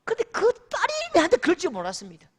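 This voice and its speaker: A man voicing an angry, heartbroken father of a bride who complains loudly. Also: very high voice, huge pitch swings, very fast, pitched above the performer's own voice, exaggerated voice. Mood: aggrieved.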